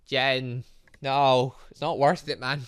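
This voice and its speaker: A man doing lively let's-play commentary as a gaming video host, exclaiming and talking to the game's characters. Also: mid-range voice, slow, clean tone. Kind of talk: lively let's-play commentary, reading game dialogue aloud.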